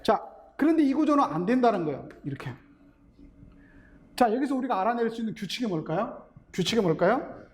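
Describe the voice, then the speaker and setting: A man with a very high, sing-song voice and a darkish tone delivers an exam-prep lecture as an English linguistics instructor, speaking a little fast with long pauses. He walks through the material for a teaching exam step by step, using technical terms and posing rhetorical questions. The recording has a long hall reverb and slight background noise.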